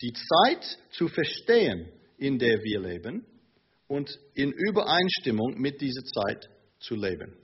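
A male preacher at a church in Munich delivers a slow, emphatic sermon that builds in intensity, with hesitant fillers between phrases. His voice is slightly rough with lively pitch, captured on a muffled, dull lo-fi sermon tape.

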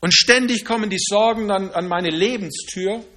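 A man preaching a sermon in earnest, slowing down to stress key phrases. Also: high voice, bright, forceful tone.

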